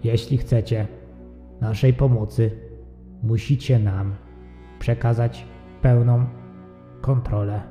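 A man voicing an intelligent yogurt that rules with calm, cold superiority in a measured, formal, commanding way for an audio drama. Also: mid-range voice, close to an everyday voice. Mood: cool condescension. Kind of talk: audio drama character acting. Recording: muffled, long echoing reverb, faint music behind.

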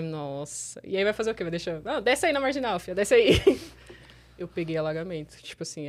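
A woman, a rideshare driver telling stories in a slangy, animated way on a casual podcast. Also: sits low. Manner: animated, slangy, quick storyteller.

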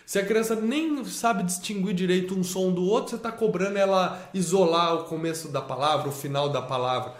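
High-voiced emphatic Brazilian man. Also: a little fast, few pauses, echoey room. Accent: Brazilian Portuguese. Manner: emphatic, repeats himself with many tag questions. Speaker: homeschooling father. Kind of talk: casual podcast conversation.

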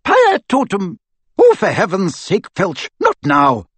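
Brief: fierce older headmistress type, clipped and commanding, read by a man, higher than his own voice. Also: very animated, moderate pace, slightly rough, no room sound, heavily acted. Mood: exasperated. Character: stern commanding older Scottish witch professor.

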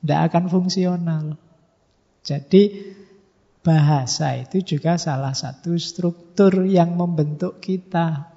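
A man's voice: a little high, takes it slowly, dark tone, husky. A man giving a classroom lecture in a conversational way, often asking rhetorical questions and acting out his students. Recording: dull, echoey hall recording.

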